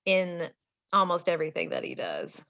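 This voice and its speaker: A woman chatting casually and haltingly, searching for words, on dry lo-fi audio. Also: fairly low pitch, sing-song, vocal fry, sharp tone, no room sound. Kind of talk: casual chat.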